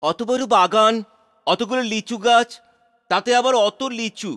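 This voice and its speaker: A man's voice: sits high, moderate pace, fairly bright tone, clean tone, dry recording, clean studio sound. A man voicing a scheming, eager royal minister in a cartoon, with an insinuating, advising manner. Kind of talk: cartoon voice acting.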